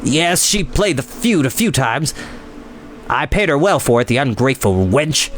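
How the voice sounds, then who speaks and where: A man's voice: mid-range voice, expressive, moderate pace, a bit bright, slight background noise, lightly acted. A man voicing a sly, scornful, blustering innkeeper who sneers and snaps in a storybook reading. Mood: dismissive, irritated. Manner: sneering, snapping, taunting.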